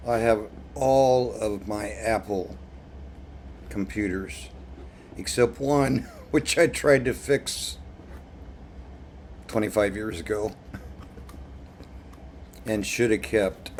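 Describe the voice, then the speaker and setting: A man with a fairly low voice talks very slowly through an unboxing video. His manner is casual and wry, and his throat sounds irritated. There is faint noise behind him. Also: vocal fry. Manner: wry, chuckling at own remarks. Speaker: video blogger. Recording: noticeable background noise.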